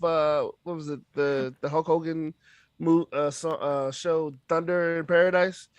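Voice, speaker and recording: A man co-hosting a casual wrestling podcast, relaxed and self-deprecating, laughing easily. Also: on the high side, unhurried, clean tone, dry recording. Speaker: podcast co-host.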